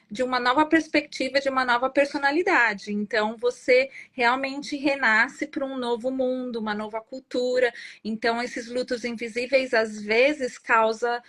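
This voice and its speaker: A woman's voice: on the high side, fairly bright tone. A Brazilian woman guest speaking in an earnest, explanatory way and often tagging her phrases with "né?". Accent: Brazilian Portuguese. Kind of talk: reflective interview conversation.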